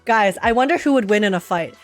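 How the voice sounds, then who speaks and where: A woman streamer giving animated, dramatic live reactions to a game, exclaiming as she goes, with game music behind her. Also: medium pitch, fast. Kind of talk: live reaction commentary, reading game text aloud. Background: video game music.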